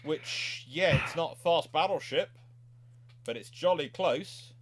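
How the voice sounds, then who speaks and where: A man's voice: on the high side, a little slow. A man hosting a casual live history question session, rambling and often repeating himself as he goes. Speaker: naval history livestream host.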